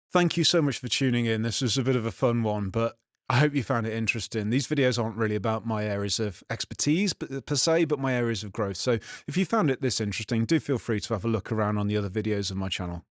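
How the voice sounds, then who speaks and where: A man's voice: fairly low pitch, dry recording, clean studio sound. A man with a Black Country accent and a slightly nasal voice, chatting casually and sardonically as a vlog host. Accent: Black Country English. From England, West Midlands. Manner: sardonic, irritated grumbling. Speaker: vlog host, software developer.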